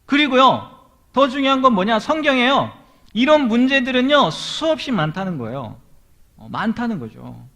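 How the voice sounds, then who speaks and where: Man, pastor, sermon, fairly high voice, very animated pitch, quizzes the congregation. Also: moderate pace. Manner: questions the listeners often. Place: church hall.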